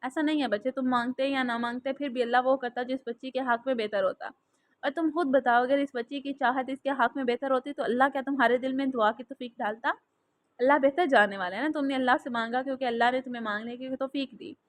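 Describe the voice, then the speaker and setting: Lady reading as a gentle old cleric man, soothing advice, talks fast. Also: high-pitched, steady tone, lightly acted. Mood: consoling. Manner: soothing, instructive. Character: gentle elderly male mosque cleric giving counsel.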